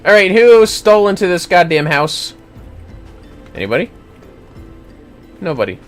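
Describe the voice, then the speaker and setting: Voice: medium pitch, very animated, a little slow. A streamer casually commenting on an online fantasy game, muttering to themself and swearing lightly. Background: game music.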